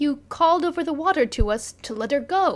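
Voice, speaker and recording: Put-on character voice from a woman, high-pitched and at a fairly quick pace. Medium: read story.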